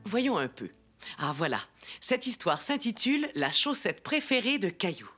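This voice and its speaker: A woman playing a kindly storyteller, narrating a children's cartoon in a gentle, expressive way. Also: medium pitch, moderate pace. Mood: inviting. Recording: music behind the voice.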